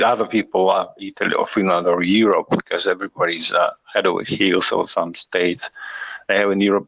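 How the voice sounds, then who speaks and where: A man from Russia with a Russian accent, speaking English haltingly and searching for words. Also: lowish voice, creaky, sharp tone, dry recording, poor audio. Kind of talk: casual chat.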